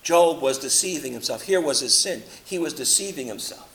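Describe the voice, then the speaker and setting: A man preaching a sermon, rising into loud, impassioned quotations and dropping into low, quiet asides. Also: lively intonation, normal speed, a little hiss or hum, poor audio.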